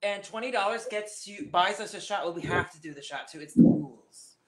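A man hosting a charity livestream from his home while painting at an easel, talking softly about his work. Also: high voice, fairly quick, crowd noise, rough recording. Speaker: host, painter.

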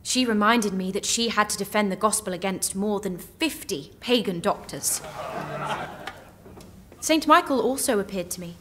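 A woman portrays a young, saintly peasant girl with unshakable faith. Her voice is mid-pitched for a woman, earnest and serene. It is historical audio drama acting, sure and devout. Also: fairly bright tone, slight background noise, lightly acted.

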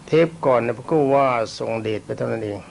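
A man's voice: medium pitch, fairly even intonation, vocal fry, a little mellow, slight background noise. An elderly man, a Buddhist monk, giving a rambling, self-deprecating dharma talk while ill and coughing often. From Thailand. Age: older. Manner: rambling, self-deprecating, pauses to recall names and dates.

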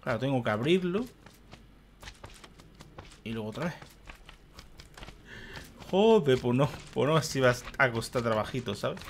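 A man's voice: medium pitch, animated, measured pace, pauses often, slight background noise. Exasperated man narrating gameplay. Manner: exasperated, swearing and muttering to himself. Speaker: gaming youtuber. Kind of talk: let's play commentary.

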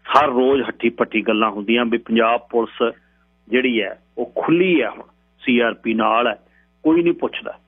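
A man hosting a radio show, reading a short story aloud in an earnest, measured way. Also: mid-range voice, breathy edge, no echo. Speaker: radio host and story reader. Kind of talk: storytelling narration. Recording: tinny radio broadcast with mains hum.

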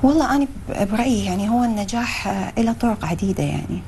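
Brief: young woman, Iraqi accent, TV studio guest, mellow tone, quick but hesitant with fillers. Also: medium pitch, lively intonation, a little hiss or hum. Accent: Iraqi Arabic. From Iraq. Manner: hesitant, many fillers, mixes in English phrases. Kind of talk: TV studio interview.

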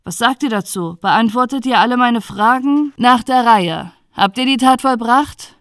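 A woman's voice: on the high side, unhurried, a bit bright, no echo, studio quality. A woman voicing a stern, outraged male judge in a fairy tale, declaiming with indignation. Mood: indignant.

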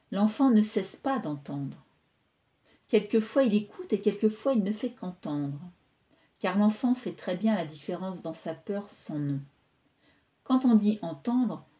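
A woman reading a literary novel aloud in a slow, measured, expressive way. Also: medium pitch. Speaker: audiobook reader.

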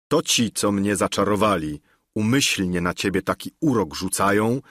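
A man voicing an old, deluded knight who speaks slowly and solemnly. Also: fairly bright tone, breathy edge, no room sound, studio quality, full character voice. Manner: slow, solemn, low and measured.

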